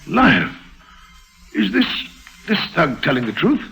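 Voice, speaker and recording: An actor playing an upright, anxious state governor in an old radio drama, earnest and agitated. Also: male voice, sits high, wildly swooping pitch, slow pace, gravelly, fairly bright tone, dull audio, exaggerated voice. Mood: shocked. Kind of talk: 1950s radio drama acting.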